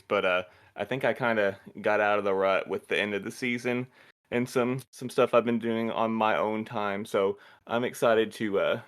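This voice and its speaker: A man speaks in a voice slightly lower than average. He talks casually and conversationally as part of a podcast crew. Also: a bit bright. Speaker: podcast crew member and composer. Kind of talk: casual chat.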